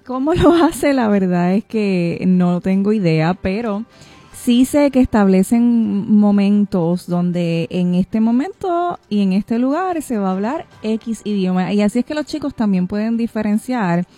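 A woman hosting a talk radio show who takes calls and talks in a chatty, expressive way. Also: medium pitch, measured pace, faint music behind. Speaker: radio host.

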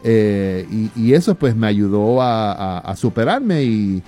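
A male radio co-host talks in a mellow, dark voice, often pausing and restarting. Soft music sits faintly underneath. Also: lowish voice, expressive. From United States. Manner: hesitant, many restarts and fillers. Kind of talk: casual talk radio.

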